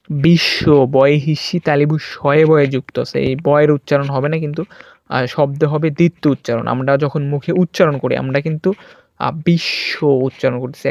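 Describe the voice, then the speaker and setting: A young male tutor works patiently through grammar rules for an exam class. He keeps repeating key points and checks in with his students as he goes. His slightly high voice comes through a dull, dry, lo-fi recording. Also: a little mellow, no room sound. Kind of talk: exam-prep grammar lesson.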